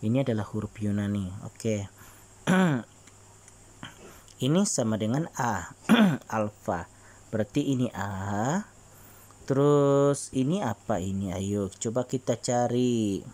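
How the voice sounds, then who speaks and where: A male teacher, explaining a religion lesson to children and often clearing his throat. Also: mid-range voice, lively intonation, slow pace, pauses often, a little mellow. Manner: frequent throat clearing, coaxing repetitions.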